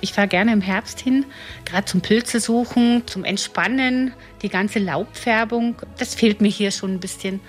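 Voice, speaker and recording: A middle-aged woman from eastern Germany, an herbalist and park ranger, telling her stories in a lively way. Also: medium pitch, measured pace, faint music behind. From Saxony-Brandenburg border, eastern Germany.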